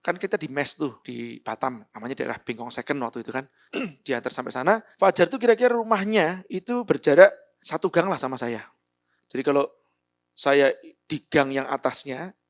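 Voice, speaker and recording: A middle-aged man, a speaker with Javanese as his first language, telling a personal story in a lively, animated way. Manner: animated storyteller, voices quotes with big pitch jumps. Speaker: motivational speaker. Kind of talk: storytelling talk.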